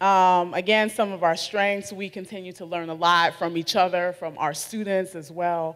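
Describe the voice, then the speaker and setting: A woman with a plain, everyday voice, fairly low in pitch, fairly even in intonation, with big swings in loudness, on a very clean recording with a silent background. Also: moderate pace, hardly any pauses. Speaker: college faculty member. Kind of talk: group report-back presentation.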